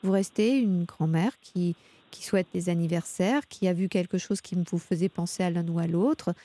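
Calm woman radio advice host. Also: fairly low pitch. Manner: calm, measured, reassuring. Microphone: studio mic.

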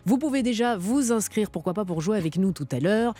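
A woman's voice: medium pitch, expressive, a little fast, warm tone, breathy edge. A woman hosting a radio show, upbeat and teasing, laughing often with her co-hosts.

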